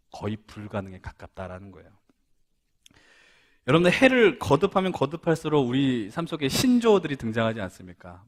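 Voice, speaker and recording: A man who is a pastor, preaching to a young adults' service in a conversational way, asking the congregation questions, acting out quoted dialogue and moving between loud emphatic lines and soft low asides.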